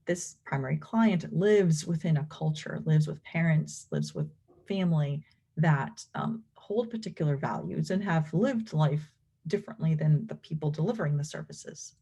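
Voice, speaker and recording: Low, husky woman lecturing. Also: animated, moderate pace, warm tone. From Venezuela. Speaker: clinical professor and behavior analyst presenting research. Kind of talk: explanatory academic lecture.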